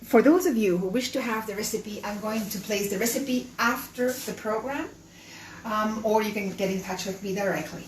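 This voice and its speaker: On her live cooking stream, a middle-aged woman with Canadian and Chilean roots greets and chats with viewers in a friendly way, using a medium-pitched voice at a moderate pace. Her son films from a distance, leaving the audio roomy, far away, and faintly humming.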